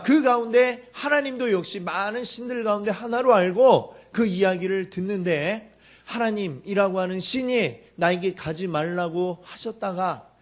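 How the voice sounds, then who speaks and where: A male pastor telling a story in a sermon, animated and dramatic, tossing rhetorical questions to the congregation. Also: sits high.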